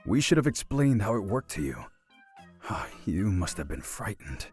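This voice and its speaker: A woman voicing a gentle, careful male angel Reaper in a visual novel, with husky, breathy, measured and formal speech. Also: extremely low pitch, big pitch swings, faint music behind, voice pushed down, full character voice. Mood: concerned, gentle.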